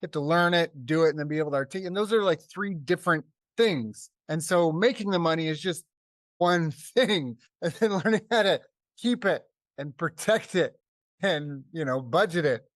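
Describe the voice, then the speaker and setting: A man hosting an interview, reading his guest's introduction and then chatting with quick asides. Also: a little high, expressive, dry recording, studio quality. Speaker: podcast host. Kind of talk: interview host.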